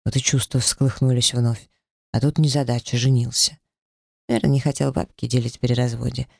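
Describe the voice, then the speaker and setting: A man's voice: medium pitch, little pitch movement, brisk, creaky, a little mellow, dry recording, studio quality. A man voicing a young woman who gossips mockingly in an audiobook. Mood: gossiping. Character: young female gossip, chatty and scornful.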